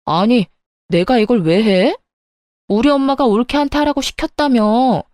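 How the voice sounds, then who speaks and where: A woman's voice: on the high side, moderate pace, a little mellow, no room sound, studio quality, close to an everyday voice. A woman voicing an entitled sister-in-law in an audio drama, whiny and demanding. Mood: demanding angry.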